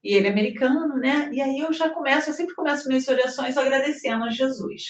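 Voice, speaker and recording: A woman with a fairly high voice gives a lively devotional talk, peppering it with tag questions and acted-out exchanges. Her voice carries a roomy echo, and she sounds a little distant from the microphone. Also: fast talker, lo-fi sound. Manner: animated, tag questions, acts out dialogue. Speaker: spiritist speaker. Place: hall in New Jersey.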